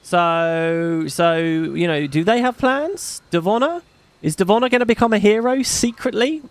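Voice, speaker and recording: A man's voice: sits high, animated, a little slow, dry recording. Chatty, sweary man streaming. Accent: slight British. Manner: rambling, profane, self-deprecating. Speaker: gaming streamer host. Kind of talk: casual livestream chat reading donations.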